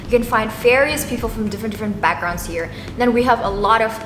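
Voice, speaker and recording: An Indonesian woman vlogs casually to camera, her slightly high voice moving fast. The audio has a big, echoey room sound and a noisy background. She's chatty and keeps checking in with viewers, often asking "okay" and "right."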